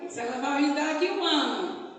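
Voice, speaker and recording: A woman's voice: high-pitched, animated, brisk, a crowd in the background. A woman with a Brazilian accent preaching a fervent sermon at a family church service. She keeps asking "né?" and breaks into praise. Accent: Brazilian Portuguese. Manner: fervent, peppers speech with "né?" tag questions and praise shouts. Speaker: missionary preacher. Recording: echoey church hall, mic far off.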